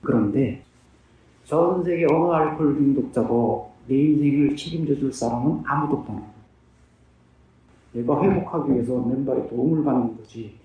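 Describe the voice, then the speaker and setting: A man's voice: medium pitch, moderate pace, phone-quality sound. Earnest man in a very echoey room. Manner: earnest, plain-spoken, asks himself questions. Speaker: recovering member sharing his story. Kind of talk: personal testimony talk. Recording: very echoey room, distant mic.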